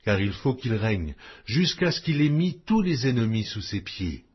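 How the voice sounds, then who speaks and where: A man reading scripture aloud in a slow, measured, expressive way, with a husky voice. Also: mid-range voice. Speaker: Bible reader. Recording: dull lo-fi audio.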